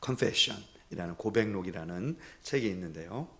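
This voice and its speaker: Male pastor, sermon, earnest, addresses congregation, quiet storytelling rising to passionate pleading. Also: low-pitched, lively intonation, unhurried. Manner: swells from quiet storytelling to loud impassioned pleading.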